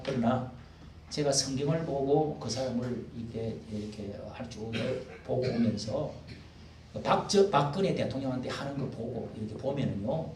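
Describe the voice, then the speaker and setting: An older man preaching a sermon as pastor, talking in a folksy, animated way and acting out the quotes he reads. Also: medium pitch, slight background noise. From South Korea. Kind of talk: expository sermon. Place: church hall. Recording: echoey room, mic at a distance.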